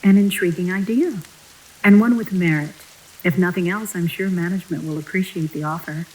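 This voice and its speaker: A woman's voice: on the low side, fairly quick, a little mellow, close to an everyday voice, low-quality recording. A woman playing a composed, courteous attendant of a mysterious manor, speaking politely and formally in an audio drama.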